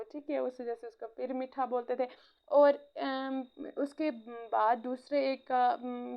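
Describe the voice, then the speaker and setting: A woman's voice: fairly high pitch, highs cut off. A woman teaching an exam-prep history lecture, checking in often with listeners and mixing in English phrases. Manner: frequent "theek hai" check-ins, mixes English phrases.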